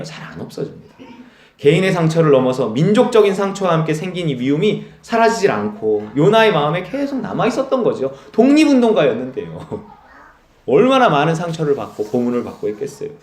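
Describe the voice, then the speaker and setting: A man's voice: fairly high pitch, reverberant. A man preaching a Sunday sermon as pastor, telling stories and acting out quoted dialogue, with frequent laughs. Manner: animated storytelling, acts out quoted dialogue, laughs often. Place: church sanctuary.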